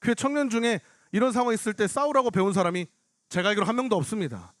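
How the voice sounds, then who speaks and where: A young adult man, a pastor, telling a story in a sermon at an outdoor prayer rally, animated, acting out what others said. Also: high voice, rapid-fire, no echo, clean studio sound. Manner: animated storytelling, acts out other people's lines. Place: outdoor public square.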